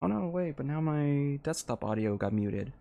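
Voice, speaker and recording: A man livestreaming a game, chatting casually in a halting, rambling way into a close microphone. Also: a little high, expressive, vocal fry, warm tone, no room sound.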